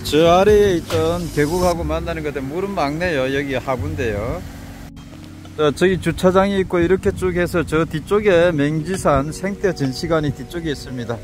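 Walking up a mountain, a hiking vlogger whose voice sits on the high side talks through the hike at a relaxed pace, noting the trail and scenery. The handheld outdoor recording has background noise.

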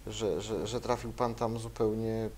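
Young man, interviewer, lowish voice, faint hiss behind, brief pointed questions. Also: little pitch movement, a little slow, darkish tone. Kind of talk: studio interview. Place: small studio with curtain backdrop.

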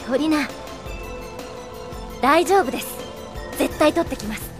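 Spirited fighter heroine played by a woman, fairly high voice, confident and bold, music behind. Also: animated, normal speed. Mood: reassuring, resolute. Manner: assured, spirited. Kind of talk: Japanese anime-style radio drama acting.

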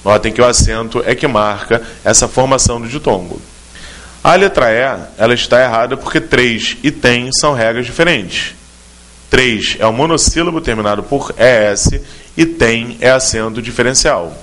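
A man's voice: medium pitch, moderate pace, fairly bright tone. A man with a Brazilian Portuguese accent teaching a grammar question in an exam-prep video lesson, explaining step by step and speaking straight to the student. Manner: clear, methodical explanations addressing the student directly.

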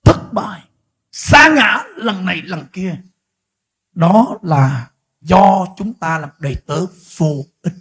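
A man preaching a sermon as pastor, swinging from quiet, slow stretches to loud, shouted peaks. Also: sits high, animated, husky. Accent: Vietnamese.

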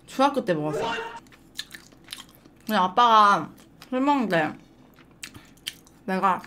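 A woman's voice: mid-range voice, lively intonation, takes it slowly, pushed and bright, a little hiss or hum. A young adult woman hosting an eating show, chatting frankly and telling stories between bites. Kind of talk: casual eating-show chat. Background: faint background music.

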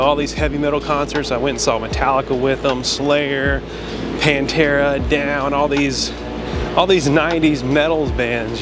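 An American man in his thirties from Louisiana talks casually and reflectively as he walks outdoors, rambling informally into a handheld camera. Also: on the high side. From Shreveport, Louisiana, United States. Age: 30s. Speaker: vlogger, creative freelancer. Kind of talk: casual walk-and-talk vlog. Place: outdoors on a downtown street. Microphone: handheld camera at arm's length. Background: background music.

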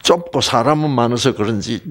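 A man's voice: mid-range voice, a bit bright. A middle-aged man from Korea giving a health lecture that turns to faith, asking his audience questions and answering them himself, often dropping to a near whisper. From South Korea. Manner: slow and drawn-out, many fillers, drops to a near whisper at key points. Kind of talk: health lecture with sermon-like passages.

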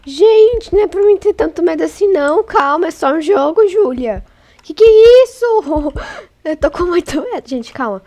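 A woman hosting a gaming channel, congested with a cold, chatting excitably to her viewers and squealing when startled. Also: very high-pitched, fairly quick. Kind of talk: casual gameplay commentary.

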